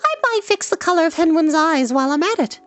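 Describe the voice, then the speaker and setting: A man's voice: extremely high pitch, lively intonation, fast talker, a bit bright, faint music behind, pitched above the performer's own voice. A man voicing a spirited, chatty, headstrong young princess in a storybook, with breezy, emphatic declarations. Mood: breezy, decided. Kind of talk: animated storybook character voice.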